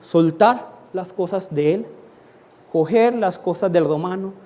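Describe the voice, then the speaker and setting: A man's voice: high voice, a little slow, mellow. A man preaching a sermon, pleading and emphatic, with sudden rises and drops. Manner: emphatic preaching, rising in pleas and dropping in asides. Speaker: pastor.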